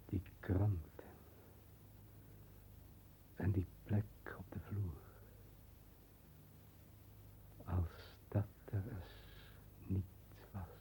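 A man's voice: sits low, fairly even intonation, very slow, pauses often, noisy background, heavily acted. A man acting a broken, guilt-ridden, dreamy down-and-out brother in a 1960s radio play, subdued and brooding. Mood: haunted. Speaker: actor in a radio drama.

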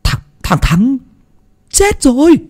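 A man voicing a jittery young village man who stammers and shouts urgently. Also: sits high, sing-song, moderate pace, slightly rough, pitched above the performer's own voice, heavily acted. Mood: insistent.

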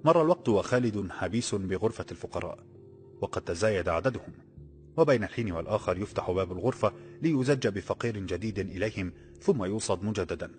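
Man, audiobook narrator, deep voice, fast steady reading, faint background music. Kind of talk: scripted narration.

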